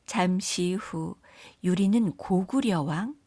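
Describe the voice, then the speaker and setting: A woman reading scripted children's story narration in a measured, careful storytelling manner. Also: fairly low pitch, warm tone, breathy edge, dry recording.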